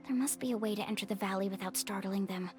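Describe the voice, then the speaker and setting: A woman's voice: medium pitch, natural voice. A woman voicing an upbeat, friendly young female tribal guide in a video game, explaining things with confidence. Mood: thoughtful.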